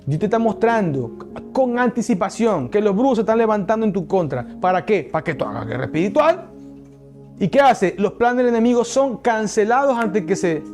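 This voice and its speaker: A man's voice: high-pitched, animated, brisk, a little mellow, soft background music. A male pastor preaching a sermon, emphatic and speaking straight to his congregation.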